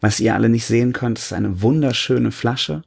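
Gravelly rambling man tasting beer. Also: mid-range voice, moderate pace, a little mellow. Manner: rambling, self-mocking, many fillers. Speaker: podcast co-host. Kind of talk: casual beer-tasting chat.

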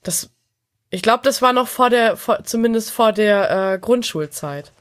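A woman's voice: fairly high pitch, expressive, unhurried, no room sound. A woman with a cold, chatting casually on a podcast, rambling and laughing often. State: has a cold. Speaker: podcast guest. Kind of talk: casual chat.

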